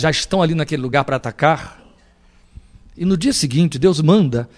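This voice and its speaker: Pastor guy preaching, lively, keeps asking the crowd questions, voice a bit high. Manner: animated preaching with rhetorical questions to the congregation. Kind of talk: sermon.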